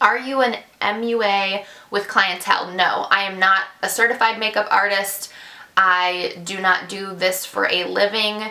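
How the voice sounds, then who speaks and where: A woman with a Western New York accent speaks at a medium pitch and a fairly slow pace, her intonation monotone and flat. Noticeable background noise runs underneath. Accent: noticeable regional Western New York. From Western New York, Buffalo area. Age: 20s. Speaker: beauty YouTuber. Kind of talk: casual Q&A vlog. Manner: casual, filler-heavy.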